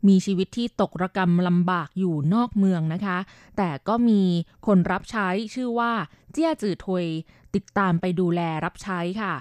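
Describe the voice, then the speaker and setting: A woman radio DJ hosting a scripted magazine show, explaining at length in a polite manner with frequent soft polite particles. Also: mid-range voice, moderate pace, hardly any pauses, no echo. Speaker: radio DJ and host.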